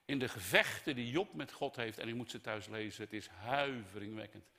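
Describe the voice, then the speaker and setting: An older man preaching a sermon with passion, swinging between loud outbursts and quiet, intimate moments. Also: on the low side, brisk, gravelly, in a large hall. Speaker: pastor.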